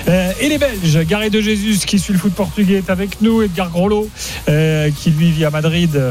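A man hosts a late-night football radio show in a high, bright register. He introduces guests hesitantly, dotting his speech with fillers. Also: normal speed, faint music behind. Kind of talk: live sports radio talk.

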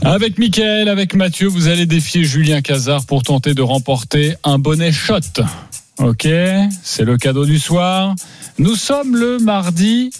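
A man's voice: fairly high pitch, a little slow, soft background music. A man hosting a radio quiz in a studio, playful and teasing as he reads the clues. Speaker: radio show host.

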